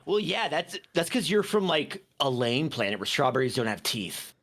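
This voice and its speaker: A man's voice: on the high side, very animated, normal speed, fairly bright tone, full character voice. A man playing a brash, laid-back dude in an improvised comedy game fandub, slangy and casually mocking. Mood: casual, eager.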